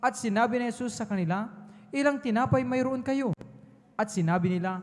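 A man with ordinary pitch variation. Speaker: scripture reader. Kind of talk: reading aloud from the Bible. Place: church.

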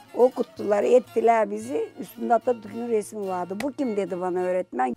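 A woman's lively intonation at a moderate pace, dry with no echo, over faint music in the background. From Bulgaria, Shumen region. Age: 70s. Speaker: Balkan emigrant. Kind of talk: interview answer. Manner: talkative. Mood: warm, cheerful storytelling. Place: garden.

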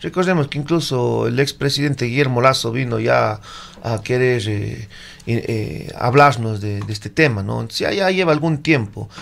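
A man at a fairly slow pace, his intonation lively. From Cuenca, Ecuador; Ecuador. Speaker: politician, legislator; politician. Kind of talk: radio interview. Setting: studio. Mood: serious, explanatory. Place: studio. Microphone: studio mic.

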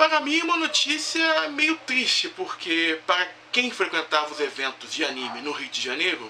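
With a raised, projected voice and hardly any pauses, a man speaks at a high pitch with very wide pitch swings over light background noise. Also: moderate pace. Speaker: tribute vlogger. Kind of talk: casual talk to camera. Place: home room. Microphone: webcam.

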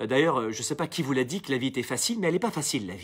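A man's animated, energetic voice with lively intonation. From Avignon, southern France. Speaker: coach and entrepreneur. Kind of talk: live Q&A, motivational talk. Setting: outdoors in a forest, live stream. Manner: animated, energetic, promotional.

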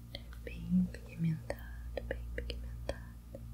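Whispering at a very slow pace, the speaker is soft-spoken, with light background noise behind. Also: woman. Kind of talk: soft-spoken ASMR roleplay. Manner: soft close-mic ASMR whisper. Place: home room.

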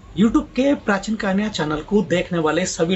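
The speaker is a man talking at a fairly slow pace. Noticeable background noise can be heard behind him. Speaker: spiritual channel host. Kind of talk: casual talk to viewers. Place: home room. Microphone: earbuds.

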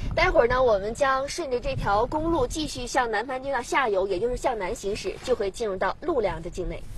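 A woman talks at a fairly quick pace with a high pitch and very wide pitch swings. The sound is dry with no echo, with light background noise. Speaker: travel show presenter. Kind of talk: on-location presenting and interviews. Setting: outdoors. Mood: bright, friendly. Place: waterside.

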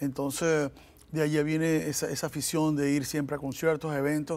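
A man speaks at a fairly quick pace and a fairly high pitch. His intonation is monotone and flat. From Venezuela, Maracaibo (Zulia); Zulia, Venezuela. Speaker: flautist; guest. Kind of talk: TV interview. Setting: studio with audience. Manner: halting. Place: studio. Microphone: lapel.

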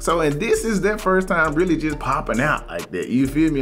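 A man is speaking over faint background music. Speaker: reaction channel host. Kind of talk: casual vlog chat. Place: home room.

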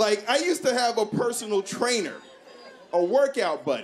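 Light background noise runs through the clip. A man speaks over it at a moderate pace. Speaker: stand-up comedian. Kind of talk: stand-up comedy routine. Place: stage. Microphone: handheld.

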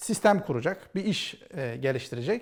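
Very wide pitch swings run through this very clean recording with a silent background. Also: man. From southeastern Turkey (Batman). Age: 30s. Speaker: software developer. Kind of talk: interview.

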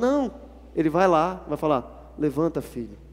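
A man's high-pitched voice with an animated tone. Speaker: pastor. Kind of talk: sermon. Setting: church. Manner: animated, earnest preaching with emphatic repetition.

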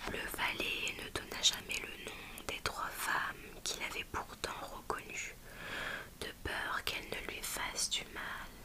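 A woman whispering at a very slow pace. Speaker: ASMR creator; ASMR reader. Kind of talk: ASMR story reading. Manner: whispered, soft. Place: home room. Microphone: studio mic.

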